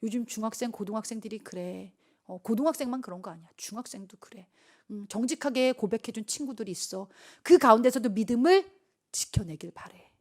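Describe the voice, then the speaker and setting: Lady youth pastor, kinda high voice, preachy but informal to teens, lots of direct questions, goes from punchy to near whisper. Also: brisk. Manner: exhorting, intimate, swings from emphatic calls to hushed near-whispers; talks to listeners directly with rhetorical questions. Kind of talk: sermon to teenagers, informal.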